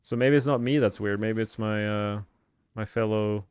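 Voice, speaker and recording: A man's voice: lowish voice, fairly even intonation, normal speed, a little mellow, clean tone, no echo. A man from Sweden with a light Swedish accent, chatting casually on a live stream as he plays, rambling along with plenty of fillers. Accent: Swedish, lightly softened. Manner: rambling, filler-heavy, musing aloud. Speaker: game streamer. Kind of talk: casual live-stream chat over gameplay.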